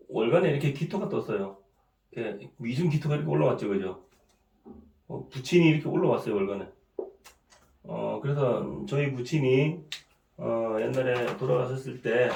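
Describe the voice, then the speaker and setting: A middle-aged man with a cold and a sore throat, giving an informal lecture. He keeps asking "right?", clears his throat often and restarts his sentences. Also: medium pitch, a little mellow, recorded from a distance, a little hiss or hum. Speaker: saju fortune-telling teacher. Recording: echoey room, voice set back from the mic.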